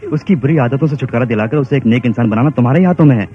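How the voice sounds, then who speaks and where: A man playing a grieving elderly father in a dubbed film, gently pleading with his family. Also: medium pitch, very fast, close to an everyday voice. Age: older. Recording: dull film dub with background score.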